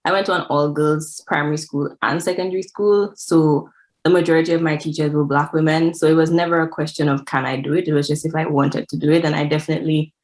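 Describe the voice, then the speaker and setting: A young Saint Lucian woman speaks in a low voice, relaxed and frank as she answers interview questions. She talks things through in an easy, reflective way and keeps saying "like". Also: fast talker. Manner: frank, reflective, says "like" often. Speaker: guest analytics specialist.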